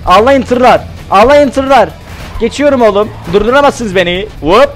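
A man streaming a game live, excitable and talkative, yelping and shouting at the action while chatting to viewers. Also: very high-pitched, normal speed, soft background music. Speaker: gaming streamer.

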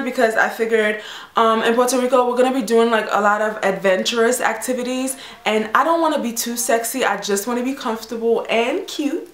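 A woman's voice: a little high, fairly bright tone. Gushing young-sounding woman, echoey room. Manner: bubbly and gushing, with many fillers. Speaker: fashion vlogger. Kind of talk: casual haul video chat.

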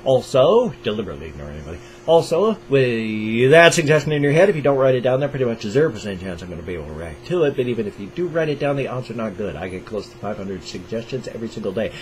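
An older man with a Pacific Northwest American accent talks to his viewers from a small room at home over a headset mic. His delivery swings up and down with animated pitch as he chats eagerly. A faint hum sits under the voice. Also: rough recording. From Pacific Northwest, USA. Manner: enthusiastic, keeps voice raised to a higher register, speaks slowly on purpose. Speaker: reaction video host. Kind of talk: casual chat to camera. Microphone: over-ear headset.

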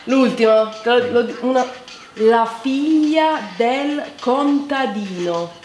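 A woman's voice: a little high, slow, faint music behind. A young woman hosting in a casual, playful, exclamatory way, chatting in a room at home. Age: young adult. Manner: animated, exclamatory. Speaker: video host playing a lip-reading game. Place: home living room with staircase, indoors. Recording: echoey room with background noise.

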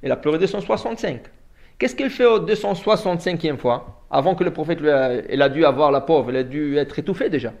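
A man's voice: on the high side, lively intonation, fast talker, vocal fry, a little mellow, highs cut off. A man, a rabbi, giving a Torah lesson, telling the story with animation and acting out the dialogue, often repeating words and restarting his phrases.

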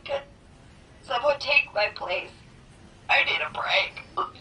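A woman's voice: sits high, expressive, slow pace, bright, forceful tone, full character voice. A woman playing a weary, sardonic grocery store announcer over the intercom in a comedy sketch. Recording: distant store intercom, faint background noise.

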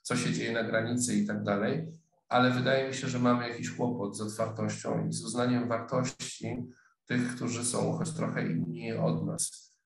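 A middle-aged man lectures on sociology online from his office through a webcam, thoughtful yet hesitant, full of fillers and restarts. His voice is gravelly at an ordinary pitch with little pitch movement, and the room adds a noticeable echo.

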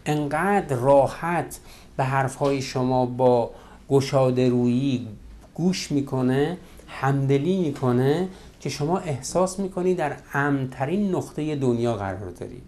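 A man's voice: mid-range voice, a little mellow. A middle-aged man, a marriage counselor, lecturing on relationships and acting out couples' quarrels in quoted voices.

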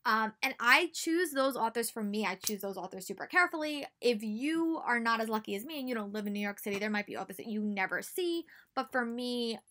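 A woman's voice: fairly high pitch, animated, fairly quick, few pauses, bright, forceful tone, slight background noise. A young American woman giving casual, chatty advice to camera in a small room at home, speaking emphatically and repeating words for stress. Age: young adult. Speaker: book vlogger.

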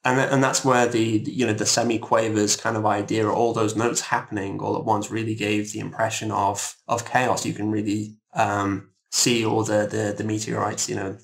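A man chatting casually as an interview guest, halting and modest as he thinks aloud. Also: fairly low pitch, flat delivery, gravelly. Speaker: composer guest.

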